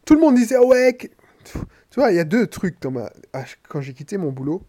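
This man from Martinique has a head cold and a high, warm, very animated voice that runs a little fast. A podcaster and coach, he delivers a casual monologue straight to the listener, blunt and full of slang.

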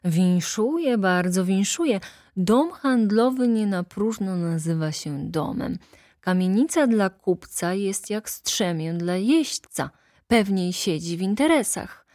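A woman voicing a talkative older male lawyer who speaks in an animated, insistent way. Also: medium pitch, takes it slowly, no room sound, clean studio sound. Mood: persuasive.

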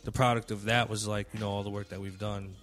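A man's voice: fairly low pitch, flat delivery, fast, fairly bright tone. A man who works as a music producer hosting a panel in casual, slangy, conversational talk with some swearing. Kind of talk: casual chat.

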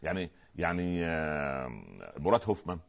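A man with an Egyptian Arabic accent, a preacher explaining religious words in a lively talk-show conversation, often asking rhetorical questions. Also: low voice, normal speed, dull audio. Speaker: Islamic preacher, guest scholar.

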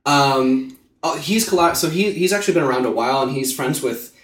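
A man's voice: a little high, a little fast. Male podcast co-host, rambling and filler-heavy; roomy, distant mic. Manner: rambling, with many "like" fillers and restarts. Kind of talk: casual podcast chat. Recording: roomy, set back from the mic.

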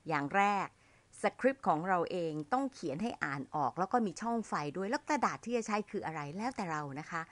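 A middle-aged woman with a Thai accent gives a warm, chatty lesson on hosting events, speaking to her listeners like an older sister. Her voice sits at an ordinary pitch. The recording is dry and close, with no room sound. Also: expressive, no echo. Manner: friendly, addresses listeners as younger siblings, slows to model English phrases. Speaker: MC trainer teaching younger listeners. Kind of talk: casual spoken lesson.

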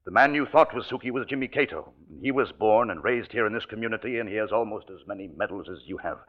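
An actor playing a calm, authoritative hospital doctor in a 1940s radio drama, soothing and firm. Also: male voice, fairly low pitch, quick pace, close to an everyday voice. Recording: dull old radio broadcast.

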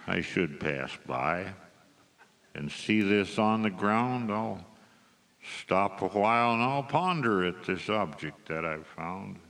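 A man's voice: sits low, gravelly, a bit bright. A man performing cowboy poetry live, with folksy, drawling rural phrasing in both his introductions and his verse.

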